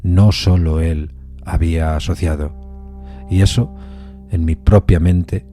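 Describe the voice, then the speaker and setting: A man reading dramatic literary narration in a solemn, deliberate and expressive manner. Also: low-pitched, faint music behind.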